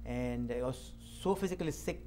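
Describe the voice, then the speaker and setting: A middle-aged man from Tanzania, an author guest in an interview, tells a personal story in an earnest, reflective way with halting restarts. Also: mid-range voice, dark tone, a little hiss or hum.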